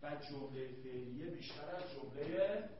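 A man teaching an Arabic grammar lesson, emphatic, repeating points and quizzing his students. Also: on the high side. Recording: echoey room, dull lo-fi sound.

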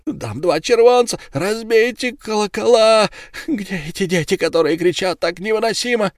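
A man voicing an old, wounded male werewolf who murdered a child, shrill and begging for mercy. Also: moderate pace, no echo, clean studio sound. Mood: pleading. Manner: shrill, pleading.

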